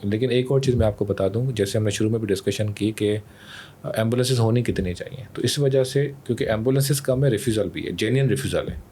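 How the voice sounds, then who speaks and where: A man with a Pakistani accent speaks in a fairly low voice as an official explaining his work in an interview. He drops English words and phrases into his sentences. Some noise can be heard behind him. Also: fast talker, dark tone. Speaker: emergency rescue service official, interview guest. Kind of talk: explanatory podcast interview talk. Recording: clear background noise.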